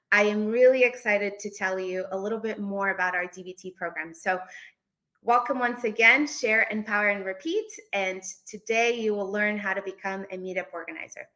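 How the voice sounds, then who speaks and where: A woman's voice: mid-range voice, pushed and bright, low-quality recording. A woman from Portugal giving an informal online presentation as an events manager.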